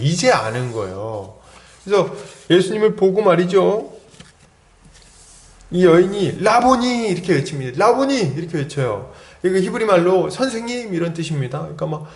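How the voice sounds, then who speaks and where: A man preaching a Sunday sermon as pastor, telling the story vividly and acting out the quoted lines with sudden loud cries. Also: high voice. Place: church sanctuary. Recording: echoey church hall.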